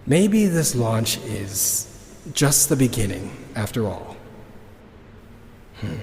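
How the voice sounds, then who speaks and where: Halting, slow-talking, resigned man. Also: medium pitch, sing-song, a little mellow. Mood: resigned, wistful. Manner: halting, muttering to himself, sighing. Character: grieving, resigned man on a doomed world. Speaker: audio drama actor. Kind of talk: naturalistic sci-fi audio drama acting. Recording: reverberant space, faint background noise.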